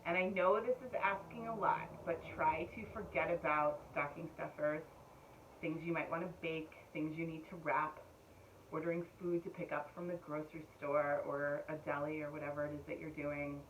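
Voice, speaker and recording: A middle-aged woman leading an online yoga class, chatting in a meandering way and giving gentle breathing and pose cues. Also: low-pitched, fairly even intonation, moderate pace. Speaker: yoga instructor. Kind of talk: casual spoken yoga class guidance. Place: home room. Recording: distant mic, dull sound, faint room noise.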